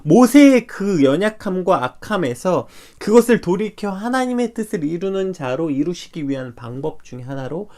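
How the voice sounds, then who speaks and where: A man preaching a morning devotional sermon, animated and full of rhetorical questions. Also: high voice, normal speed, few pauses. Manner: animated, acts out quoted dialogue, rhetorical questions. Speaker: pastor.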